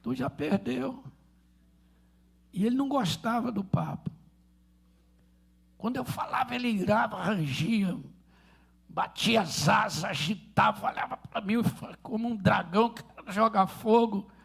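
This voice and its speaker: Fervent Rio pastor: very high, gravelly voice, sharp and forceful delivery. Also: male voice, unhurried. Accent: Rio de Janeiro Portuguese. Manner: fervent preaching, storytelling. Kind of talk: sermon.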